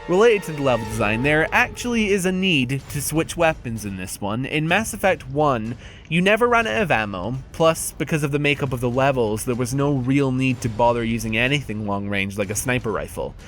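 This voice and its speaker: A man's voice: mid-range voice, a bit bright. A man narrating a scripted video game review in a conversational, candid and wry manner.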